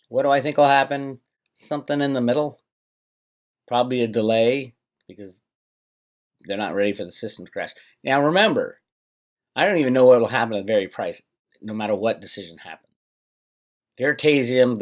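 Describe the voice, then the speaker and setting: A man with a fairly low voice hosts a financial vlog. He speaks conversationally to his viewers, giving opinionated market commentary. His delivery is studded with emphatic asides and rhetorical questions.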